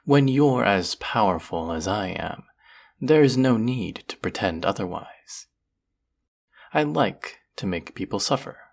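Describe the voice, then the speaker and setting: A man's voice: fairly low pitch, lively intonation, takes it slowly, vocal fry, heavily acted. A man playing a cruel, powerful, vain sorcerer in a fantasy audio roleplay, speaking to the listener in a theatrical, menacing drawl. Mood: cruel, gloating.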